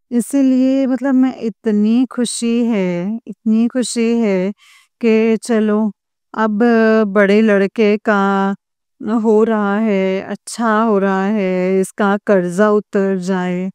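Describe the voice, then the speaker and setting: Slow, halting older woman giving testimony. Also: medium pitch, little pitch movement, darkish tone, clean tone, dry recording. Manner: halting, with frequent pauses and respectful address to the congregation. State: weak after a fever. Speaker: devotee sharing a testimony. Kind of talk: devotional personal testimony.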